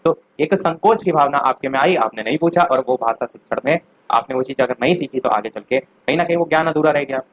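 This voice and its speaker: A man's voice: mid-range voice, a little fast, poor audio. A young man, giving an exam revision lecture and explaining step by step with rhetorical questions. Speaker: teacher.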